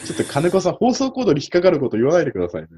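Fast, lively man co-hosting a chat podcast. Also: fairly high pitch, background noise. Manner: animated, joking, acts out rude voices. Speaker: podcast co-host. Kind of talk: casual chat.

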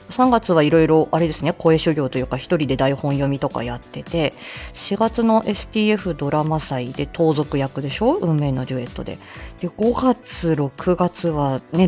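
Woman, forties, live-stream host, slightly low voice, chatty, humble, laughs a lot, faint music behind. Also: warm tone. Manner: chatty and humble, laughs often, many fillers. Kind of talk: casual live-stream chat with listeners.

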